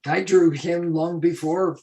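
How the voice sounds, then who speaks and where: A man illustrator telling stories on a panel, hoarse and losing his voice, speaking casually. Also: fairly high pitch, steady tone, a little slow, a crowd in the background, rough recording.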